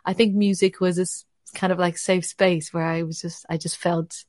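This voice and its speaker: A woman's voice: fairly low pitch, little pitch movement, moderate pace, a little mellow, no echo. Chatty Portuguese woman, dry close sound. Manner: chatty, laughs often, many fillers. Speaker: singer-songwriter guest. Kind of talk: casual interview chat.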